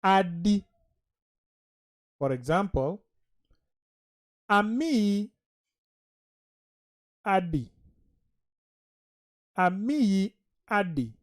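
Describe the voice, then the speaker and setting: Very slow, deliberate language teacher. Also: medium pitch, lively intonation. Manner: slow, deliberate, repeats each word. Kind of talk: vocabulary lesson.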